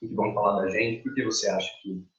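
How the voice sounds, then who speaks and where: A man's voice: on the low side, fairly even intonation, fast talker, a bit bright, roomy sound, muffled recording. A man with a Brazilian Portuguese accent hosting a casual interview over a video call, encouraging and explaining at length. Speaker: interviewer, channel host.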